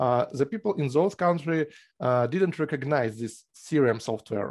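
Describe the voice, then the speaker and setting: A man with a Russian accent talks at a fairly high pitch with lively intonation. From southern Russia, Stavropol. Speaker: CRM consultant. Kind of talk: interview. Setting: remote call. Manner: halting, many fillers.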